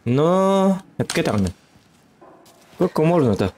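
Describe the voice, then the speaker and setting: A man's voice: fairly high pitch, big pitch swings, unhurried, darkish tone. A man giving casual live gameplay commentary, muttering remarks to himself as he plays. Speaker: game streamer. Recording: game noise and engines behind the voice.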